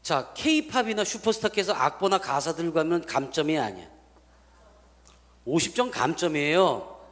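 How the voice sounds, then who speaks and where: A male pastor telling a story in a sermon. He talks in an animated way and acts out the dialogue in different voices. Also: a little high, moderate pace, long reverb tail.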